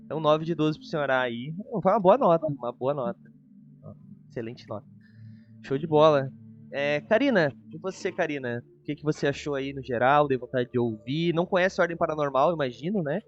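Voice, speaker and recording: A man's voice: a little high, brisk. A Brazilian man chatting casually as co-host of a review show, informal and rambling. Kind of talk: casual spoken review chat. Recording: dull, lo-fi audio. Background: music.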